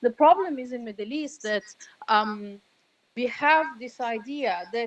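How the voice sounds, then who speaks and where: With an Arabic accent, a woman speaks at a fairly slow pace in a high pitch with ordinary pitch variation. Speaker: panelist on ethnic minority rights. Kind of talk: panel discussion. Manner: halting, many fillers.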